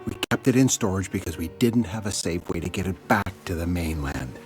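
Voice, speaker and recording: An imprisoned warden in a game cutscene, earnest and uneasy. His lowish voice is urgent, and music plays clearly behind it. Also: lively intonation, a little fast. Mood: anxious pleading. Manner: hushed, urgent. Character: captive prison warden, earnest, anxious, conspiratorial. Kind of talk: video game cutscene acting.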